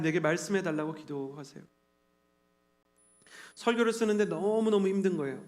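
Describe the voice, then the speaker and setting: A man in his thirties preaching a sermon to a young adult congregation, earnest and animated, acting out quotes as he tells stories. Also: sits high. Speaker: pastor. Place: church sanctuary.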